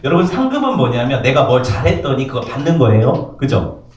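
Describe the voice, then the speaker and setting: A man's voice: medium pitch, fairly quick. A man preaching a sermon as pastor, asking his congregation questions and acting out the voices in the stories he tells. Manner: lively preaching, acts out voices in quotes, asks the congregation "그죠?". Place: church sanctuary. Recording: echoey church hall, mic at a distance.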